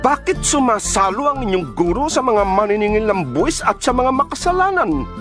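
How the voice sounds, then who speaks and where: High-pitched scornful Pharisee. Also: male voice, big pitch swings, moderate pace, fairly bright tone, faint music behind. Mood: indignant questioning. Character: scornful Pharisee men challenging a teacher. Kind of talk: dramatized audio Bible acting.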